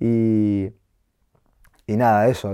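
Fairly low-pitched man with a Rioplatense accent, dark, mellow tone and monotone, flat intonation, on a very clean recording with a silent background. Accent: Argentine Rioplatense Spanish. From Argentina, Bahía Blanca. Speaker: streamer. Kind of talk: casual interview. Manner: halting with many fillers.

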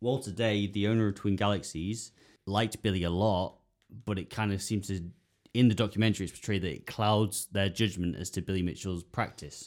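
A man's normal speaking voice, fairly low in pitch, fairly even in intonation, at a fairly quick pace on a very clean recording with a silent background. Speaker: podcast co-host, comedian. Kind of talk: casual chat.

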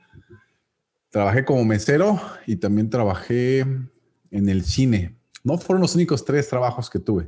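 Somewhat breathy and dark, mellow in tone, a man speaks at a fairly slow pace with very wide pitch swings and big swings in loudness. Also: medium pitch for a man. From Mexico, Toluca. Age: 30s. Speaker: trading academy CEO and trader. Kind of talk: interview on live stream.

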